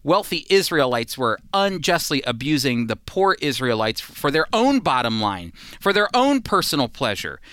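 A man's voice: medium pitch, big pitch swings, moderate pace, hardly any pauses, fairly bright tone, clean tone, no room sound. A man co-hosting a Christian radio program, earnest and emphatic, teaching with fillers and restarts. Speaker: radio Bible teacher, co-host.

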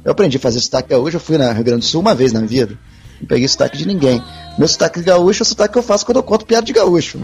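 A man's voice: fairly high pitch, animated, rapid-fire, darkish tone, faint music behind. A man with a Mineiro Brazilian accent, swearing and laughing as he tells stories in a casual podcast chat. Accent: Mineiro Brazilian Portuguese. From Minas Gerais, Brazil. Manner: laughing, profane storyteller. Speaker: podcast guest and video dubber.

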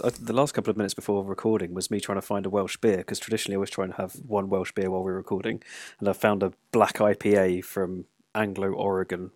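Fast, gravelly-edged male co-host. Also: sits low, no echo. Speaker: podcast co-host. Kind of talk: casual chat, anecdotal.

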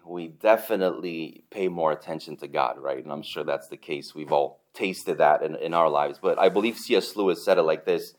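A deep-voiced man in his forties with a Romanian accent tells his story to a church congregation. He talks in a loose, conversational way, leaning on fillers and little chuckles as he goes. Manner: relaxed, chatty, many fillers, soft chuckles. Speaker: church planter giving a testimony.

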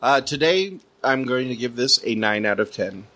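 A man with a medium-pitched voice leads a relaxed podcast chat. He sounds agreeable and easygoing. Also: normal speed. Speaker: podcast co-host. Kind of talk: casual chat.

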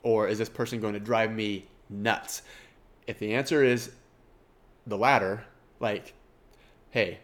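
A man's voice: on the low side, steady tone, a little slow, pauses often, fairly bright tone. Middle-aged male podcast host, Kansas twang, nasal tone, casual rambling and self-deprecating delivery.

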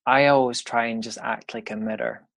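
A man with a Scottish accent, a card reader talking casually in an interview, relaxed and rambling with lots of fillers. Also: mid-range voice, moderate pace, gravelly, poor audio. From Scotland. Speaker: intuitive card reader, guest.

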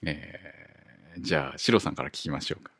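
A man hosting a casual chat, relaxed and joking, with chuckles between his remarks. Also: a bass voice, moderate pace, vocal fry, husky, no echo. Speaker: podcast host.

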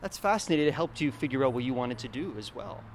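A man's voice: medium pitch, expressive, fast, noisy background. A man hosting a radio show, interviewing a guest in a casual, encouraging way, with frequent murmured backchannels and stumbling restarts as he phrases questions.

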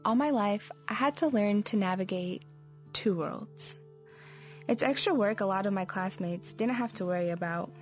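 A young woman narrates a radio documentary from a script. Her delivery is calm and measured, at an ordinary pitch for a woman. Soft music plays faintly underneath. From United States.

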